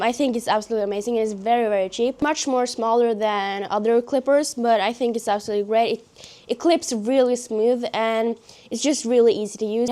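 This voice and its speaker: A woman's voice: on the high side, darkish tone. A teenage girl from Norway with a Norwegian accent, chatting casually through a horse-care tutorial with many fillers. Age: teens. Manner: chatty, lots of fillers, self-conscious. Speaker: horse vlogger. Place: outdoors or stable with her horse.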